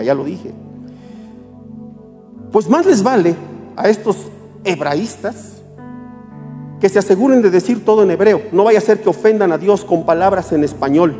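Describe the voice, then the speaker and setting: Mellow-voiced preacher in an echoing hall. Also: mid-range voice. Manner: emphatic, rhetorical questions to the congregation. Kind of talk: sermon. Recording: echoey hall with faint music.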